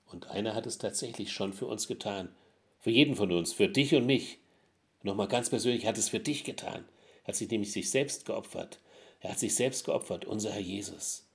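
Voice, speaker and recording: Male pastor, low husky voice, earnest sermon with swelling emphasis. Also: moderate pace. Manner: earnest preaching with strong swells in loudness and pitch.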